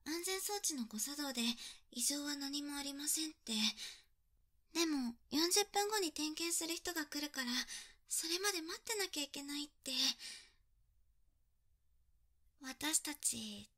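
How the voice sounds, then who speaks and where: A young woman playing a shy, kind, polite girl in an intimate ASMR roleplay, often slipping into breathy whispers. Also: high voice, animated, moderate pace, sharp tone. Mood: shy, sympathetic. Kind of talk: Japanese ASMR situation voice acting, intimate.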